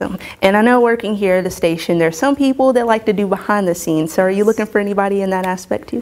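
A very fast voice in an American accent, with ordinary pitch variation. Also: woman, medium pitch for a woman. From West Virginia, US Appalachia. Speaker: local TV community show host. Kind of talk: TV interview. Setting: TV studio. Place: studio.

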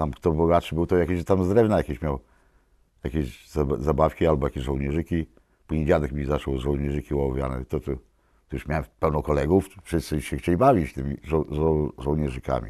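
Against a quiet background, a dark, mellow voice moves at a fairly quick pace with ordinary pitch variation. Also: man, very deep, low pitch for a man. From Poland, Gdańsk; Poland. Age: 50s. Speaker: local resident sharing memories; oral history narrator. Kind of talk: oral history interview. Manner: halting, with repetitions. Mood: warm, nostalgic, smiling. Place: studio.

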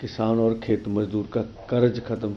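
A man talking at a fairly slow pace over light background noise. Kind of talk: interview answer. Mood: earnest, aggrieved. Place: home room.

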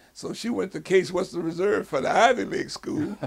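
Noticeable background noise sits behind this man's voice. He talks at a fairly quick pace in a high pitch with lively intonation. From US South, Mississippi. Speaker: barber. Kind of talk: oral history interview. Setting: barbershop.

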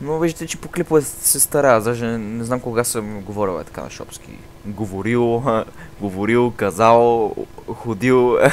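Speaking at a fairly slow pace, a man uses a medium pitch and big swings in loudness. Noticeable background noise can be heard. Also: ordinary pitch variation. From Bulgaria, Sofia. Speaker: gaming YouTuber. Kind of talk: gameplay commentary monologue. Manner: halting, repeats words.

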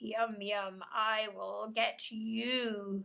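A female-sounding put-on character voice, growling and menacing in tone at a fairly high pitch. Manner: menacing, growly.

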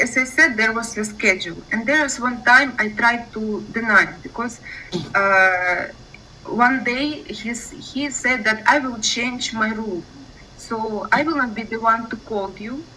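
A woman with a Ukrainian accent at a fairly high pitch, fairly slow pace and ordinary pitch variation, over light background noise. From Ukraine. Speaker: witness, abuse survivor. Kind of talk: testimony. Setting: video call. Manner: halting. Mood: serious, earnest, hesitant.

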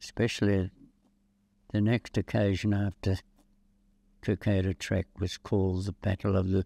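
A man speaks in a flat monotone with a dark, mellow tone, at a moderate pace and very even loudness, in a dry sound with no echo. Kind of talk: interview answer. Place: home room. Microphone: lapel.

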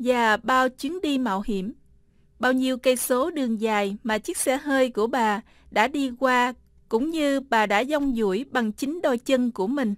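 Against a quiet background with a dry, echo-free sound, a woman speaks very slowly in a high voice with ordinary pitch variation. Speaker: radio presenter. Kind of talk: scripted narration. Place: studio. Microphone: studio mic.

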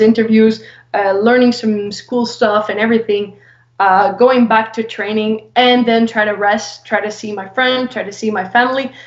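A woman's fairly high-pitched voice at a moderate pace, monotone, flat intonation, audible room echo and a quiet background. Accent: Quebec French. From Quebec. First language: French. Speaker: professional boxer. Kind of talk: casual interview. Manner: hesitant, many fillers. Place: home room. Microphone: video call.

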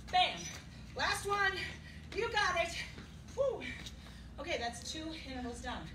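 A woman with an American accent speaks in a raised, projected voice with very wide pitch swings over noticeable background noise. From US Midwest, Minnesota. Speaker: fitness instructor. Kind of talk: live workout coaching with countdowns and cues. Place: garden. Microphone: camera far.

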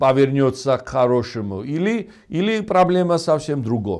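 Someone with a Georgian accent speaks at a very slow pace over a quiet background. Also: man. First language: Georgian (speaking Russian). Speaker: host. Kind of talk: discussion. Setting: video call. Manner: halting. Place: studio. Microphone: lapel.

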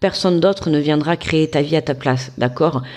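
Against a quiet background, a woman speaks at a moderate pace in a very deep, low pitch with ordinary pitch variation. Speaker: tarot card reader / spiritual guidance youtuber; card reader. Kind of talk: tarot reading monologue to camera. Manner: casual, chatty with many fillers. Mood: encouraging, earnest. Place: home room. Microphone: phone near.

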